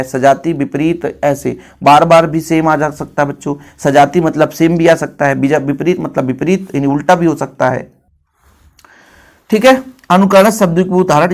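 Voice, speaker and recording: A man's voice: on the high side, moderate pace. A man teaching an exam-prep lesson, explaining terms, asking questions and repeating answers for his students. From India. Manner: explains, quizzes and repeats, addressing students as children.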